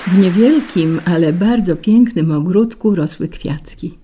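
A woman narrating a storybook fable in a measured way, lingering over long lists. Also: fairly low pitch, dark tone, slight background noise. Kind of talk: storybook reading.

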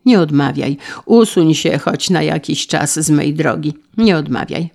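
A woman's voice: low-pitched, unhurried, gravelly, a little mellow, exaggerated voice. Woman voicing a desperate young man, pleading. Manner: impassioned, trembling pleading.

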